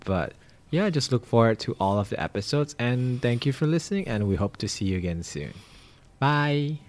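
A man's voice: mid-range voice, animated, normal speed. A young man from Malaysia hosting a casual podcast, rambling with lots of fillers. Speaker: podcast host. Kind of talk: casual chat.

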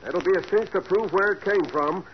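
An actor playing a brisk, friendly police sergeant in a 1940s radio drama, matter-of-fact in his reports. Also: high-pitched, close to an everyday voice. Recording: dull old radio broadcast with faint hiss.

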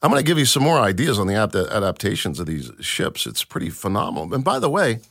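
Male podcast host, animated delivery, dry close-miked sound. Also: sits low, no echo. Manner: emphatic, enthusiastic, with restarts. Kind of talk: solo commentary reading an article.

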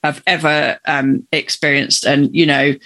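A woman's voice: low-pitched, level tone, measured pace, fairly bright tone. A woman with a South London accent talking casually and candidly, with some swearing and self-deprecation. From South London, England. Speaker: podcast guest, amateur marathon runner. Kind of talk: casual chat.

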